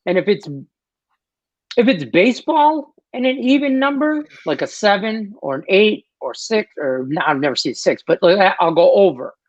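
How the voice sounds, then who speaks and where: A man's voice: high voice, lively intonation, normal speed, dry recording. Blunt wisecracking man, dull dry mic. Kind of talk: casual betting talk.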